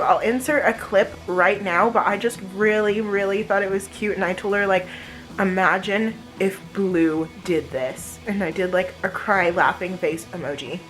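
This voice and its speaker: A woman's voice: mid-range voice, fairly bright tone, rough recording. A woman vlogger chatting casually and informally to her viewers in a day-in-the-life style.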